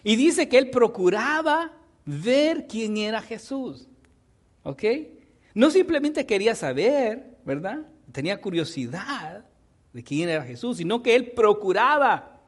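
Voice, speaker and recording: A man's voice: high voice, measured pace. A man preaching a sermon, joking with the congregation and often asking for agreement. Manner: animated, jokes with the congregation, tag questions.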